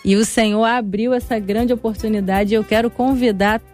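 A woman's voice: fairly high pitch, fairly even intonation, moderate pace, darkish tone, soft background music. A Brazilian woman pastor on a radio panel, speaking earnestly and gratefully about her faith. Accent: Brazilian Portuguese. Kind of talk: testimony on a radio show.

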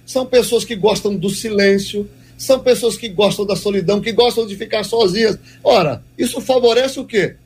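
A man's voice: sits high, a little mellow, breathy edge. A man giving a devotional teaching talk as a preacher, speaking emphatically and repeating key phrases for weight.

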